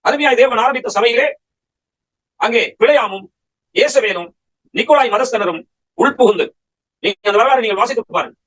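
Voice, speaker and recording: A man's voice: extremely high pitch, brisk, long pauses, fairly bright tone, low-quality recording. A man preaching a Bible study sermon, firing rhetorical questions at his listeners and pressing his points with emphatic exhortation.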